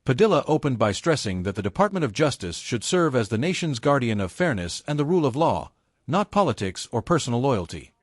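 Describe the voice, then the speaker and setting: A man reading scripted news narration in a steady, measured way as a voice-over. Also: mid-range voice, no room sound. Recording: dry close voice-over.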